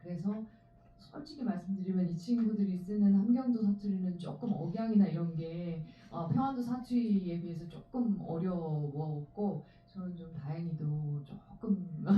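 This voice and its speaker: An actress at a film Q&A talks frankly and chattily about her preparation, with many fillers, recorded from the audience in a cinema. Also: mid-range voice. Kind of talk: panel Q&A answer. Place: cinema auditorium. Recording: distant echoey lo-fi audience recording.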